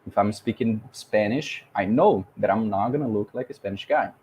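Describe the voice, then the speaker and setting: Brazilian host, Portuguese native, fluent and emphatic English, lower voice. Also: male voice, normal speed, darkish tone, slight background noise. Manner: fluent, emphatic, drives points home with rhetorical questions. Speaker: podcast host. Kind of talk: casual conversation about language learning.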